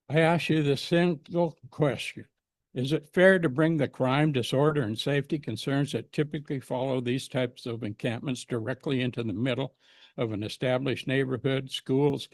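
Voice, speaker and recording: A man's voice: mid-range voice, gravelly, darkish tone, no echo. A man in his seventies with an American accent, giving an earnest, emphatic prepared speech as a resident at a public meeting. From United States, Pacific Northwest. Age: 70s.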